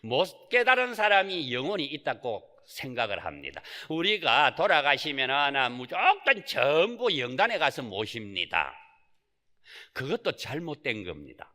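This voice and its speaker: A man's voice: medium pitch, wildly swooping pitch, unhurried, bright, forceful tone. A man, a Buddhist monk, giving a Sunday Dharma talk with rhetorical questions and folksy asides. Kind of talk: sermon. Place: temple hall. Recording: reverberant temple hall.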